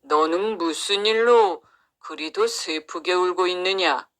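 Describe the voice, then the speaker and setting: A woman voicing a gentle, wise black cow from heaven in a storybook, speaking in slow, old-fashioned commands. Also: fairly low pitch, clear, resonant tone, pitched below the performer's own voice. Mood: kindly.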